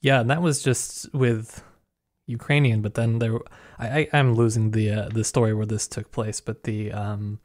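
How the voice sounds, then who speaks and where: A man's voice: lowish voice, little pitch movement, normal speed, a little mellow. A man hosting a literature podcast, asking long searching questions with many fillers and hesitations. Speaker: podcast host. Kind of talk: casual podcast conversation.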